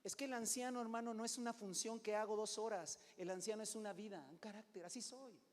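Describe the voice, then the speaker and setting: A middle-aged man preaching as a pastor, conversational, often calling "hermano", swinging between loud and hushed. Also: high voice, steady tone, fast talker. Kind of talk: sermon. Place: church sanctuary. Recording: long hall reverb.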